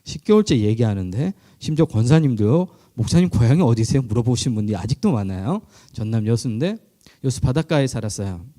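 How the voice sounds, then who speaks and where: A man's voice: medium pitch, expressive, brisk, mellow. A Korean male pastor preaching to a youth group, telling stories in a conversational way and asking listeners questions. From South Korea. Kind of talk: sermon. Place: church, online youth service.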